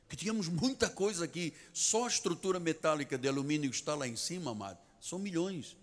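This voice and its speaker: A man's voice: on the high side, animated, quick pace. A man with a Portuguese accent preaching a sermon as pastor, telling a story with emphatic repetition of key phrases. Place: large church sanctuary. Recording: long church reverb.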